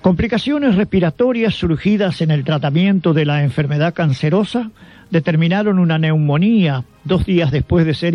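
A man's voice: a little high, a little mellow. A man with an Argentine accent reading a scripted biographical narration as a radio show host. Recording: dull lo-fi sound with background music. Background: music.

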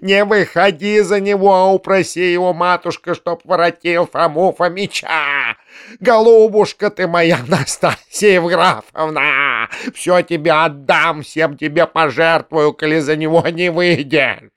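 A man reading aloud voices a capricious old widowed mother who wails and pleads in a shrill, drawn-out voice. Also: a bit bright, smooth, dry recording, studio quality. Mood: pleading.

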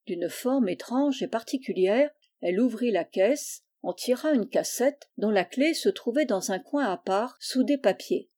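A woman reads a classic children's novel aloud in a measured, even manner. Her voice is mellow and warm, in a middle pitch. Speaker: audiobook reader. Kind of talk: storybook narration.

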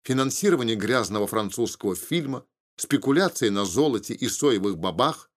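A man reading a novel aloud in the first person, at a measured, even pace. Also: mid-range voice. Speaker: audiobook narrator. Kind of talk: first-person scripted narration.

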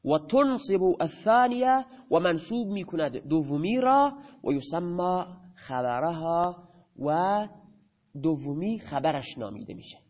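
The recording, somewhat dull and muffled, captures a high-voiced male grammar lecturer whose intonation is lively. He puts a question to the class, then responds to it on his own.

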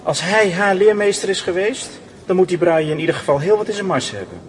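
An actor playing an amazed, admiring concertgoer, chatting in a radio play. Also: male voice, sits high, expressive, fast. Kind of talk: Dutch radio drama acting, chatty. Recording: clearly noisy, with ambience.

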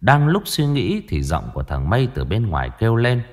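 A man narrating a ghost story in a lively way. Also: lowish voice, fairly quick.

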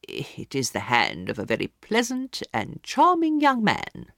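A woman voicing a sly, nervous older male palmist who speaks low and evasively. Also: wildly swooping pitch, measured pace, vocal fry, a bit bright, no room sound, studio quality, exaggerated voice.

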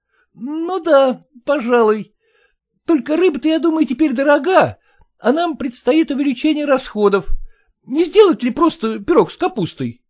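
A man's voice: extremely high pitch, expressive, normal speed, darkish tone, pitched above the performer's own voice. A man voicing a fussy, stingy, servile male clerk who mutters and answers deferentially to his father-in-law. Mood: fawning.

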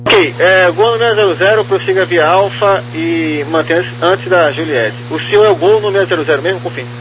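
A man's voice: sits high, moderate pace, a bit bright. A man working as an airport radio controller, heard over a two-way radio, giving clipped, procedural calls in terse radio phraseology. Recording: dull lo-fi radio with static.

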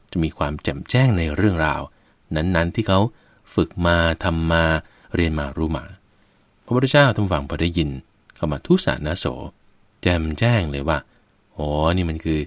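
Low-voiced man giving a Buddhist sermon. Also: no room sound. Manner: addresses listeners as "ท่านผู้ฟัง", explains with everyday examples. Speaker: Buddhist preacher.

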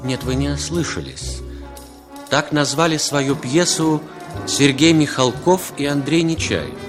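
A man narrating a radio play in a measured, theatrical way. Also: fairly high pitch, over music. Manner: measured, theatrical, lively delivery.

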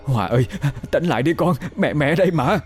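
A man voicing a sharp-tongued older mother in a horror story, wailing and frantic. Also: expressive, fairly quick, faint music behind, natural voice. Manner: wailing, shrill.

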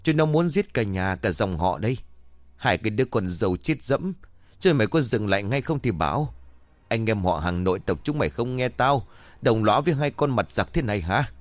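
A man voicing a furious, wailing old grandmother in a ghost story, cursing and shrill. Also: lively intonation, moderate pace, no echo, lightly acted.

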